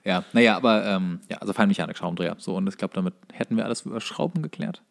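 A man's voice: low voice, expressive, rapid-fire, gravelly. A man chatting casually as a podcast co-host. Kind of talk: casual chat.

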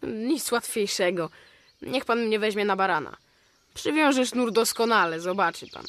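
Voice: medium pitch, expressive, normal speed, fairly bright tone, a little hiss or hum. An actor playing a cheeky young boy in a radio play, chatty and matter-of-fact, coolly cynical. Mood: helpful. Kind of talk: Polish radio play dialogue.

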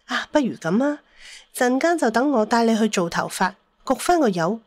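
A woman's voice: a little high, lively intonation, moderate pace, dry recording. A woman voicing a chatty, friendly middle-aged woman in an audio drama, fussing over her elder in a familiar, coaxing way.

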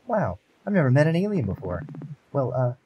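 A man's voice: medium pitch, sing-song, brisk, muffled recording, slight background noise, pitched above the performer's own voice, natural voice. A man voicing a timid, large scaly female creature who talks shyly and hesitantly. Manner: shy, hesitant, wide-eyed. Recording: music bed underneath.

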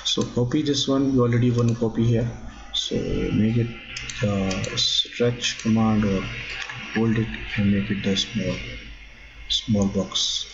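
A man with a fairly low voice gives a screen-recorded software tutorial in halting. He stops often on "okay" as he walks through each step. The sound is dull and lo-fi, from a basic computer mic. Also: steady tone, creaky, over music. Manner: halting, repeats "okay" often, non-native phrasing. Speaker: drafting instructor.

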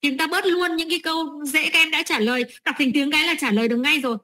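A woman's voice: high voice, fast talker, bright, forceful tone. A middle-aged woman training teachers, explaining lesson steps with many fillers and "right?" checks.

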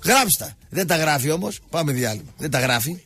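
A man hosting a sports talk show, ranting sarcastically and mocking people, going from loud outbursts to low muttering. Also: sing-song, loud music behind the voice. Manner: sarcastic, mocking, switches between shouting and muttering. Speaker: radio sports talk host. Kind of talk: ranting monologue.

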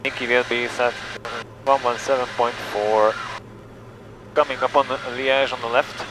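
A young man talks through his flight from the cockpit of a small plane, calm and methodical. His headset mic picks up a steady engine drone behind him. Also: mid-range voice, measured pace, noisy background. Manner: calm, methodical, reads back clearances. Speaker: private pilot. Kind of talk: cockpit narration and radio calls. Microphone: headset boom mic.

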